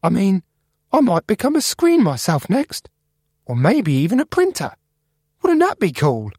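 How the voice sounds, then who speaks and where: A man doing a squeaky chirpy computer mouse. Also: huge pitch swings, measured pace, a little mellow, slightly rough, no room sound, clean studio sound, full character voice. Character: small male computer mouse, chirpy and upbeat.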